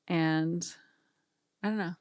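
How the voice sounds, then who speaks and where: A woman in her forties, an audio engineering teacher, chatting casually and a bit ramblingly about a mixing technique to camera, her voice tired and going hoarse after a long day of talking. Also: fairly low pitch, fairly even intonation, takes it slowly, darkish tone, no room sound. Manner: chatty, rambling, self-deprecating, nerdy. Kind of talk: casual tutorial talk to camera. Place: small home studio. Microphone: studio vocal mic.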